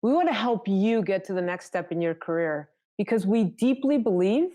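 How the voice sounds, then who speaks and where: A woman from South Texas, a native Spanish speaker, giving a prepared conference talk in a steady storytelling manner. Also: medium pitch, moderate pace. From South Texas, United States.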